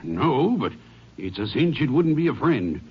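An actor playing a hearty, folksy Texas rancher with an indignant streak in a 1950s radio western. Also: male voice, mid-range voice, sing-song, unhurried. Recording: dull, noisy old radio recording.

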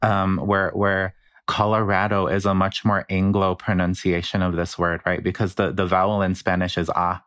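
A man's voice: sits low, flat delivery, moderate pace, a bit bright, no room sound, clean studio sound. A man from New Mexico with a New Mexico Chicano English accent, earnestly explaining speech patterns as a researcher with many fillers. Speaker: linguistics researcher guest. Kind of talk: explanatory interview talk.

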